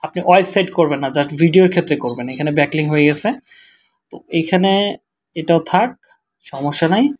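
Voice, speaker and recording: A tired man with a Bangladeshi accent, speaking quietly and slowly as he walks through a screen-share tutorial. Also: on the high side. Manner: quiet, slow, tired-sounding talk. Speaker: web developer teaching SEO.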